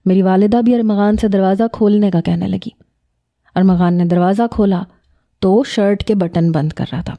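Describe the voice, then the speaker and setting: Mellow-voiced woman narrating a story. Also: medium pitch, fairly even intonation. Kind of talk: first-person story narration.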